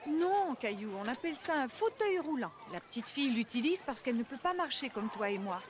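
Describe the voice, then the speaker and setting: A woman voicing a patient young mother in a cartoon dub, gentle and reassuring. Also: high voice, very animated, brisk.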